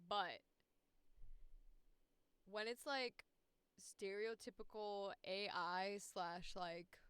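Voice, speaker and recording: A woman's voice: mid-range voice, fairly bright tone, clean tone, no echo. A woman hosting a casual livestream, thinking aloud as she looks through listings and reads bits out. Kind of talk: casual livestream chat, reviewing audition listings.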